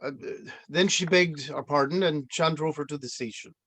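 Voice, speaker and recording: A man's voice: fairly high pitch, moderate pace, a bit bright, no echo. A man playing a falsely friendly commune member in a table read, soothing and a little hesitant. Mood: evasive politeness.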